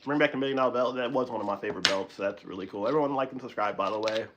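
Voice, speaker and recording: A man hosting a live stream in casual chat, animated and rambling, often correcting himself and laughing. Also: mid-range voice, very fast, highs cut off, noisy background.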